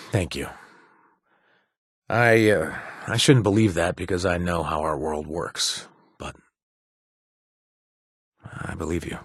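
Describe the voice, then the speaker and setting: An actor playing a wry, hesitant former raider in a video game, with a husky voice and lots of fillers. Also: male voice, deep voice, slow pace, long pauses, a bit bright, no echo, clean studio sound, full character voice. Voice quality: husky, punning, easygoing. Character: wry former raider man, trying to stay clean. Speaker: companion character.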